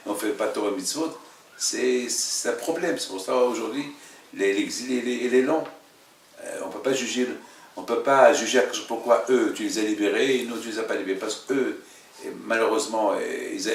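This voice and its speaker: Halting, emphatic man teaching in an echoey room. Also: on the low side, slight background noise. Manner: repeats phrases, halting, emphatic. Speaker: religious teacher, rabbi leading a class. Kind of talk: informal religious lesson with questions. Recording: echoey room, mic at a distance.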